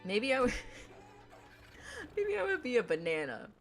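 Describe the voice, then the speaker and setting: A young woman with a deep voice chatting casually on a gaming livestream, rambling in a playful, laid-back way. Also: huge pitch swings, unhurried, faint music behind. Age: young adult.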